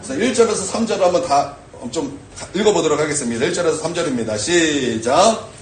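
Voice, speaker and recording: Male pastor, animated sermon delivery, higher voice, distant and roomy church sound. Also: fast, slight background noise. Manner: animated preaching with frequent rhetorical questions. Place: church sanctuary. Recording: echoey church from afar.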